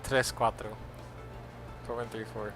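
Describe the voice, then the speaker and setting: A man's voice: fairly low pitch, a little slow. Male streamer, laid-back chat, radio calls, music under the voice. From Philippines. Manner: switches between Filipino and English, relaxed chatty, reads radio calls. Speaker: flight sim streamer.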